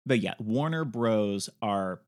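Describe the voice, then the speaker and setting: Male podcast co-host, casual and chatty, with a lot of swing in his pitch. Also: expressive, slow pace. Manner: chatty, laughing, with many fillers and restarts. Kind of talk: casual film chat.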